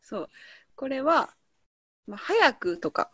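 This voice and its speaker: Kansai lady co-host, kinda high voice, giggly, slowly spelling out slang words. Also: big pitch swings, fairly bright tone, dry recording, clean studio sound. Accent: Kansai Japanese. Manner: laughs often, explains words slowly with examples. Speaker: podcast co-host teaching Japanese slang. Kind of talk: casual chat lesson.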